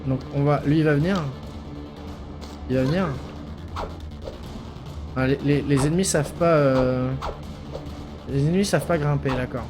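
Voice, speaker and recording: A man's voice: a little high, moderate pace, pauses often. Casting: male streamer, casual swearing play-by-play, game music behind. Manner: chatty, swears freely, reacts aloud to play. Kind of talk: casual live game commentary.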